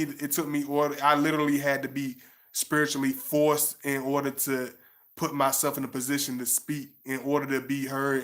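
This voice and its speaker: Man, 30s, flat delivery, rambling casual monologue. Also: mid-range voice. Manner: rambling, restarts often, "you know what I'm saying". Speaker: channel host.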